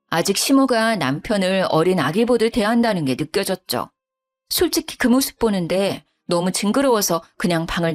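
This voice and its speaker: Calm woman narrating a family story. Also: fairly low pitch. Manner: calm, matter-of-fact recounting.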